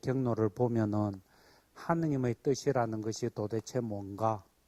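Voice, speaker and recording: A man's very slow, medium-pitched speech with a dark, mellow tone and fairly even intonation, dry and close with no echo. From Gyeongsang Province, South Korea. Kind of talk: lecture. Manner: conversational.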